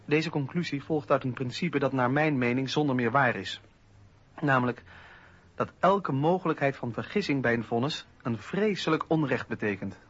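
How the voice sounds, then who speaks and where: Radio play: solemn 18th-century idealist statesman, husky voice, formal declaiming, muffled recording. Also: mid-range voice, moderate pace, a bit bright. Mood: earnest conviction. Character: principled 18th-century French revolutionary philosopher, solemn, idealistic. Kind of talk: radio docudrama, oratorical reading of historical texts.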